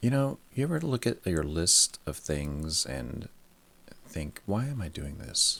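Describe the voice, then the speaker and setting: Soft-spoken and very deep, a man talks very slowly with long, frequent pauses and very wide pitch swings. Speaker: indie game developer streamer. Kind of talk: casual live-stream coding chat. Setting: home live stream. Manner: quiet, soft-spoken.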